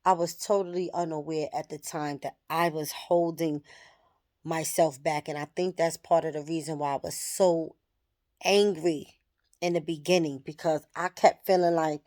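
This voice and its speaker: Her voice sits low, steady and a little mellow at a moderate pace. She's a thirtysomething vlogger speaking frankly and reflectively to the camera, swearing freely as she works through her thoughts.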